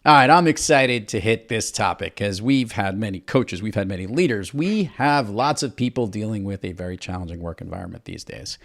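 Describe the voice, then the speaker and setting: A man's voice: lowish voice, animated, fairly quick, creaky, few pauses, a bit bright. Upbeat, emphatic male podcast host. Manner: upbeat, emphatic, playful asides. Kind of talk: energetic podcast interview.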